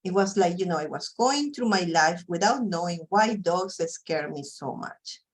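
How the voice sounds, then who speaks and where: A woman with a thick Peruvian Spanish accent speaks as a trainer in a slightly low voice. She talks conversationally, leaning on "you know" as she explains things to the group. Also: animated, normal speed. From Peru. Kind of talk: online training presentation.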